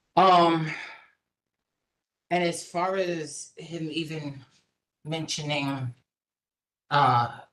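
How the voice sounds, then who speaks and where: A woman with a very deep, low pitch at a very slow pace, fairly even intonation, long, frequent pauses, and audible room echo. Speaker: bus driver and community board member. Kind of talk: defending herself at a hearing. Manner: loud.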